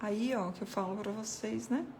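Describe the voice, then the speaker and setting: In a mid-range, slightly mellow voice at a moderate pace, a woman chats casually through a watercolor tutorial, explaining each step as she paints. An art devotional host, she calls viewers "gente" and points things out as she works, with a little hiss or hum in the audio.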